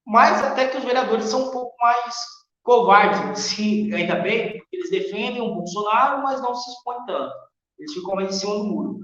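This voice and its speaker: A Brazilian man with a high-pitched voice talks politics as a podcast guest. His delivery is earnest and emphatic, full of firm opinions. The sound is heavily echoey and reverberant, with a dull, muffled tone. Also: animated, fairly quick, a bit bright. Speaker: interview guest, lawyer. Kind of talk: political discussion in a podcast interview.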